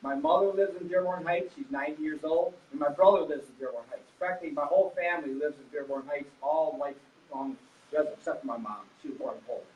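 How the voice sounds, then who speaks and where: A man's voice: fairly high pitch, fast, highs cut off. An older man giving a candidate statement in a chatty, offhand way, with informal asides. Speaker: council candidate. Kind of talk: opening statement. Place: public meeting hall. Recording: echoey hall, distant mic, faint noise.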